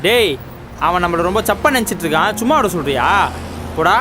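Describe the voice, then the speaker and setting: Brash young gangster, high animated voice. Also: male voice, fast talker. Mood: cocky, agitated. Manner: cocky, colloquial slangy talk. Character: brash hot-headed young male gangster. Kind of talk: film dialogue acting. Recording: film soundtrack with loud music.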